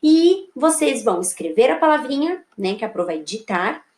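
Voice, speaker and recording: A woman with a Brazilian accent, a primary school teacher walking young pupils through a workbook in a slow, sing-song voice that keeps checking they follow. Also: sits high, sing-song, darkish tone. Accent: Brazilian Portuguese. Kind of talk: recorded remote lesson walking through a workbook. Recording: echoey room.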